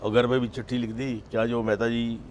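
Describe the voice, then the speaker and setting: A man's voice: medium pitch, brisk, slight background noise. An older man, a film actor, recounting stories in a casual interview, mixing English phrases into his speech. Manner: animated storyteller who mixes in English phrases.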